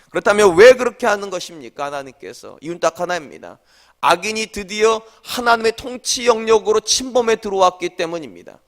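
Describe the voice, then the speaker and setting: A man's voice: high voice, fairly bright tone. A man, a senior pastor, delivering an early-morning sermon in a church, earnestly putting questions to the congregation. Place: church sanctuary.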